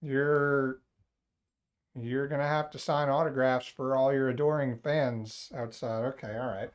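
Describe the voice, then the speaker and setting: A man's voice: medium pitch, fairly even intonation, measured pace, clear, resonant tone. Casual male streamer, joking, rambling, chatting with viewers. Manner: joking, rambling, talks to chat and cat. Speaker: livestream host. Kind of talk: casual livestream chat.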